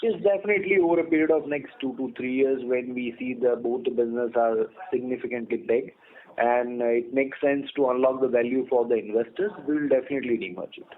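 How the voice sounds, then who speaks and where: A man's voice: mid-range voice, a little fast. A man with an Indian accent, a company executive methodically explaining answers on an earnings call. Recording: tinny narrowband phone line.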